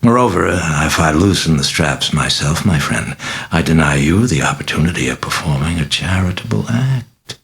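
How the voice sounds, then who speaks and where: A man's voice: a bass voice, lively intonation, normal speed, creaky, fairly bright tone, pitched above the performer's own voice, full character voice. A man voicing a sly, mocking demon that possesses a young girl, drawling and sinister in an audiobook reading. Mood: mocking, coaxing. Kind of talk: audiobook character voice.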